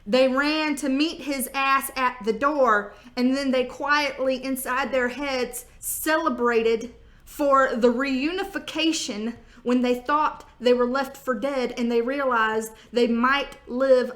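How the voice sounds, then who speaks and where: Woman, high voice, sassy tarot vlogger, joking, laughs often, roomy echo. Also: a bit bright. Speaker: tarot reader. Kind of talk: casual tarot reading vlog.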